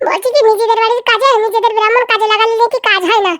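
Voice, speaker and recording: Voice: very high voice, fairly even intonation, very fast, sharp tone, dry recording. A performer voicing a cheeky, eager young sidekick in a comedy cartoon, chattering in a colloquial way. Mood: chatty. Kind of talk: comic cartoon dialogue.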